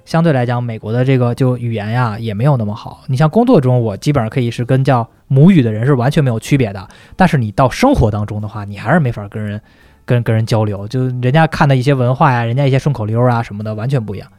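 Male podcast guest, rapid chatty storyteller, dry close sound. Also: medium pitch, mellow, dry recording. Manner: chatty, storytelling with English phrases mixed in. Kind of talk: casual chat.

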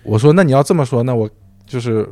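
A man's voice: mid-range voice, fast, no room sound, soft background music. A man from Xinjiang, China, a podcast guest telling a story in casual chat and acting out quoted dialogue. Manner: animated, acts out quoted dialogue.

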